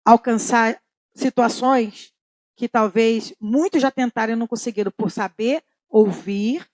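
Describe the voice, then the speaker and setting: A middle-aged woman leads a church Bible study in a relaxed, conversational way. Her voice is high and lively, and she repeats key phrases and throws questions to her listeners. The sound is dry and close. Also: no echo.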